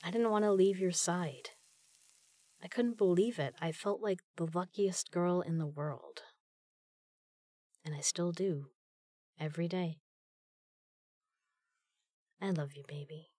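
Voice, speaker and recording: Low, tender girlfriend voice, close and dry, acted by a woman. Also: slow, long pauses, dark tone, no room sound. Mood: fond, wistful.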